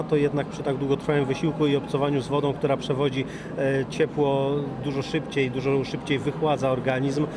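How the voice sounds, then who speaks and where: A man's voice: mid-range voice, noisy background. A man conducting a casual live interview as the interviewer.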